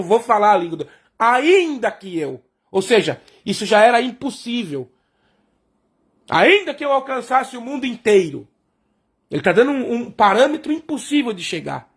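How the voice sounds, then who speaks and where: Delivering a sermon, this man speaks in a husky voice that sits high. His way of explaining is to ask questions and supply the answers himself, and he repeatedly calls his listeners brothers and sisters.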